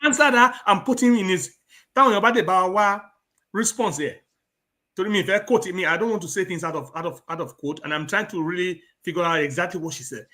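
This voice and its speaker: A Nigerian man with a Yoruba accent, a guest on a political talk show, speaks emphatically and switches between Yoruba and English. His voice is high, fast, pushed, and bright.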